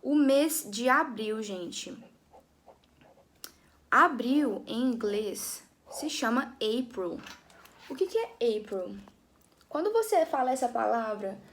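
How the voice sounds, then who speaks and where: A woman's voice: high voice, a little hiss or hum. A young woman teaching an English lesson to her students, chatty, often checking in with her class and restarting her sentences.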